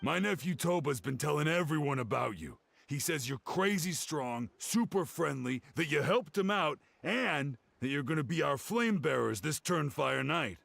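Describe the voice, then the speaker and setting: An actor playing a weary older scholar and uncle in a video game, speaking in an earnest, dejected way. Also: male voice, a little high, lively intonation, moderate pace, vocal fry, hardly any pauses, a bit bright, faint music behind, heavily acted. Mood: surprised.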